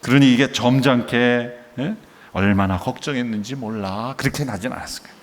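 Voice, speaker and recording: A man's voice: medium pitch, fairly quick. A middle-aged male pastor preaching a sermon with rhetorical questions and acted-out dialogue. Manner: emotive preaching, asks rhetorical questions, acts out quoted dialogue. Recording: long hall reverb.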